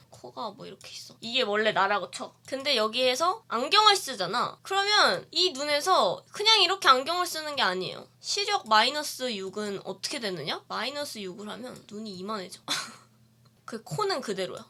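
Bright, lively woman streamer. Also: high voice. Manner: playful, chatty, answering viewer comments. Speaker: live streamer. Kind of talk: casual live-stream chat. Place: dim room. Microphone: webcam streaming setup.

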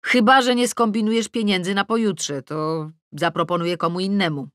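A woman narrator voicing a brisk, insistent woman friend in an audiobook, impatient and businesslike. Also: mid-range voice, fairly even intonation, fairly bright tone, no room sound, studio quality, lightly acted.

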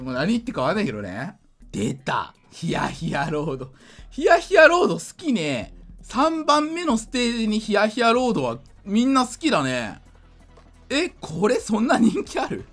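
A drunk man giving casual gameplay commentary, rambling, slightly slurred and excitable, often repeating himself. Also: a little high. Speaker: gaming video creator.

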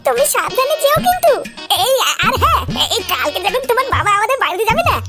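An extremely high, childlike cartoon voice of a short, boastful little male schemer. He rattles along with swooping intonation, blustering crudely and stammering when cornered. Loud music plays behind him. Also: sing-song, fast, heavily acted. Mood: sly, eager. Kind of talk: Bengali comedy cartoon dub.

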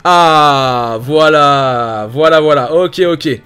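A man giving excited gameplay commentary, hyped and swearing casually as he talks to his viewers. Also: fairly high pitch, drawn-out words, clean tone, faint music behind. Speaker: gaming YouTuber. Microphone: facecam setup.

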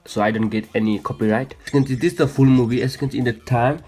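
Male tech tutorial host, mid-range voice, casual and halting delivery, faint music underneath. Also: mid-range voice, steady tone, darkish tone, husky. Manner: hesitant, repetitive phrasing with frequent stumbles. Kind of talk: casual how-to screen demonstration. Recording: music behind, some background noise.

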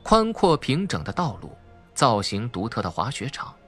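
A man's voice: medium pitch, wildly swooping pitch, moderate pace, fairly bright tone, soft background music. A man with a Mainland Chinese Mandarin accent narrating a suspense audiobook in a theatrical, dramatic way. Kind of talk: dramatic scripted narration of a crime thriller.

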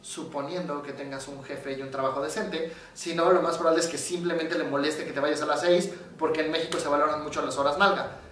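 Mexican male psychologist, casual animated explainer, high voice, roomy echo, off-mic. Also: a little fast, distant mic. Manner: animated storyteller, acts out quoted voices. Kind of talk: casual explanatory talk to camera. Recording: very echoey room, voice from off the mic.

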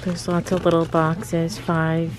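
A woman's voice: low-pitched, monotone, slow. A woman in her thirties chatting through a face mask as she browses shelves with her phone camera. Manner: chatty, musing aloud while browsing. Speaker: vlogger. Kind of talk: casual shop-with-me narration. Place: large store indoors. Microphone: handheld phone camera. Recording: noisy store ambience.

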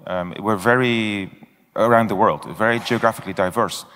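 A man's voice: fairly low pitch, steady tone, normal speed, a bit bright. Blunt man speaking in a reverberant hall. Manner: blunt, candid, self-mocking. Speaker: conference speaker. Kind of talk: conference talk and Q&A. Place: large conference stage. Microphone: handheld microphone.

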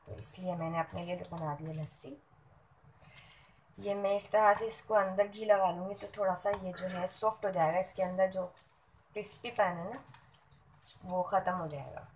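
Chatty woman cooking in a noisy kitchen. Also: fairly low pitch. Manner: chatty, homely, talks while working. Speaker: cooking vlogger. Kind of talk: casual cooking narration. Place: home kitchen. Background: clatter of pots and dishes.

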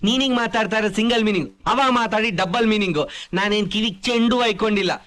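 A man's voice: high-pitched, fast, a bit bright. An actor playing a loyal village henchman in a film, who blusters and threatens on behalf of his boss. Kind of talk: film comedy scene.

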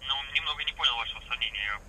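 A man giving a formal, patient phone sales pitch as an investment salesman, heard through a phone speaker in a vehicle. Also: rapid-fire, gravelly, pushed and bright, slightly rough, low-quality recording. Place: phone speaker inside a parked vehicle cab.

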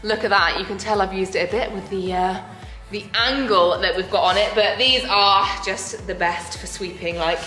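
A woman's voice: medium pitch, fairly even intonation, normal speed, bright, forceful tone, faint music behind. A young woman chatting casually in a horse barn, bubbly and full of fillers, filmed close on a handheld camera. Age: young adult. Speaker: horse rider vlogger. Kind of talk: casual vlog chat.

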